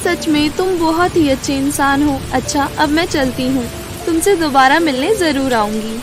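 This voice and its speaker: A woman playing a young lovestruck fairy, earnest and determined, in an animated fairy tale. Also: sits high, moderate pace, natural voice. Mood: grateful.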